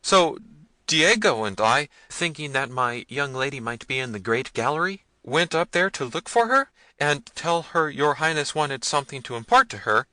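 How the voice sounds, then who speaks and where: A man's voice: fairly high pitch, big pitch swings, moderate pace, pushed and bright, no room sound, voice pushed up. A man voicing a terrified, simple servant in a gothic story, trembling, pleading and rambling deferentially. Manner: trembling, pleading, long-winded. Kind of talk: dramatised gothic novel reading.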